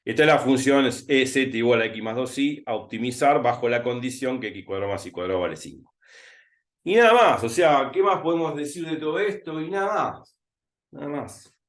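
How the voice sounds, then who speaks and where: A man with a Rioplatense Spanish accent tutors through a recorded math lesson. He talks to himself as he writes, drawing out and repeating key words at an unhurried pace. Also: mid-range voice. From Argentina. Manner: thinking aloud while writing, repeating words slowly.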